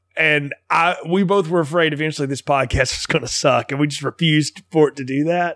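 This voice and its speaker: A normal speaking voice from a man, fairly high in pitch, fairly quick with hardly any pauses, fairly even in intonation, in a dry, close sound with no echo. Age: 40s. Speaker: podcast co-host. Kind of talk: casual chat; scripted narration.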